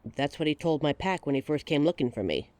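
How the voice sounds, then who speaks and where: A man's voice: on the high side, lively intonation, fairly quick, a little mellow, no echo, lightly acted. A man voicing a guarded, blunt werewolf in a scripted audio drama. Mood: exasperated. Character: guarded werewolf searching for a stolen mate.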